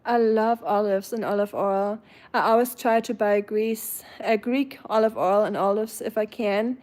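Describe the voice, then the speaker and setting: A woman from Germany's Black Forest with a German accent, chatting casually with viewers on a livestream, warm and chatty with fillers and soft laughs, her voice trailing quietly at phrase ends. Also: medium pitch, steady tone, a little slow. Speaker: livestream host. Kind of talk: casual chat, reading viewer comments aloud.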